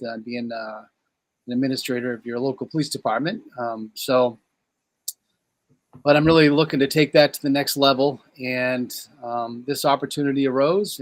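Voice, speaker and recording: A man in his fifties from Maine, a police chief, answering interview questions in a plain-spoken, measured way. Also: medium pitch, no echo. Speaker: police chief and congressional candidate. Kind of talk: interview guest.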